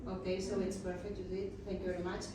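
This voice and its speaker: A woman's voice: on the low side, level tone, fast, noisy background. A woman moderating a panel discussion, polite and organizing the speakers. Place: conference hall. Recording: echoey hall from far off.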